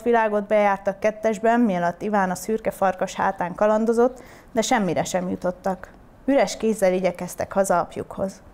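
A woman at a middle pitch reading a fairy tale aloud. She narrates in a steady, clear storytelling manner.

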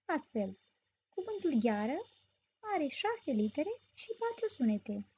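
A woman teaching a grammar lesson as a story, explaining clearly and patiently. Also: sits high, very animated, dark tone. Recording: dull lo-fi recording.

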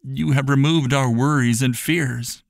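A man's voice: medium pitch, fairly even intonation, unhurried, gravelly, dry recording, studio quality, voice pushed up. A man voicing a grateful, devout mother in a storybook, speaking in an earnest, prayerful way. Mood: tearful gratitude.

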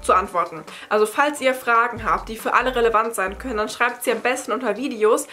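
A young woman from Berlin speaks in a fairly high, bright voice. She explains things in a chatty, informal way, as a study-advice vlogger would when answering questions to camera at home. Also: brisk, faint music behind. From Berlin, Germany. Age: young adult. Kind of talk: casual Q&A chat to camera. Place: bright attic room at home.

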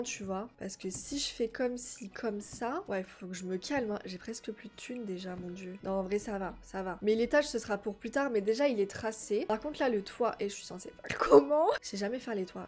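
A young woman giving casual gameplay commentary, chatty and excitable, talking straight to her viewers and mixing in English words. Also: fairly high pitch. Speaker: gaming video creator.

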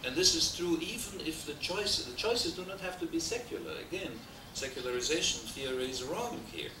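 In a fairly high, animated voice at moderate pace, an older male lecturer with an Austrian German accent and German as his first language gives an academic lecture, wry and digressive with frequent hesitations. He speaks into a desk mic on a stand in a wood-paneled hall, captured from a distance on noisy, echoey old VHS tape.

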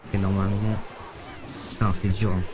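A man giving live commentary on his own gameplay to chat, excitable and swearing often. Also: deep voice, normal speed, noisy background. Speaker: streamer.

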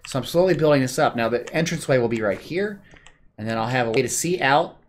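A man hosting a gameplay video, calmly explaining his build step by step with plenty of "uh"s, while his voice is going a bit hoarse. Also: mid-range voice, fast talker, slight background noise. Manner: relaxed, explaining step by step with many "uh"s. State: losing his voice. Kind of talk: casual building commentary.

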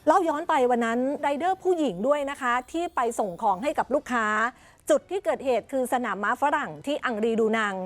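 A woman hosting a TV talk show from Thailand, briskly recapping the news and asking pointed questions. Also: high voice, animated, no echo. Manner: brisk, leading questions with short acknowledgements.

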